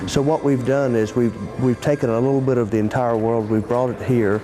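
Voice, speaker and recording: A man's voice: mid-range voice, steady tone, a little fast. A man giving a thoughtful interview testimonial, restarting phrases as he goes. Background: music.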